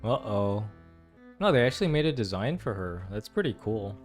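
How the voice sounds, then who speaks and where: A man's voice: lowish voice, sing-song, moderate pace, over music. A young man giving casual, slangy gaming commentary with lots of exclamations. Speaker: game streamer reacting to a story quest.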